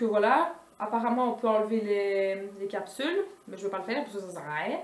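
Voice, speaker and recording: A woman vlogger showing off a beauty haul in a casual, rambling chat full of hesitations. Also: medium pitch. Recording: roomy echo.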